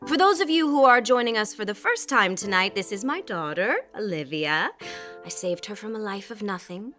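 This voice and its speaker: An actress playing an effervescent, vain, wealthy 1950s society hostess with grand, affected speech. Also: female voice, mid-range voice, lively intonation, moderate pace, sharp tone. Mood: airy, cutting. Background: music.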